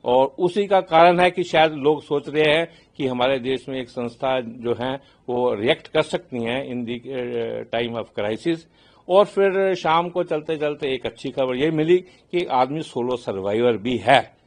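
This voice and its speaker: Older male expert, Indian accent, medium pitch, halting explanatory interview delivery peppered with English phrases. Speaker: aviation expert guest. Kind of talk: spoken interview commentary, explaining.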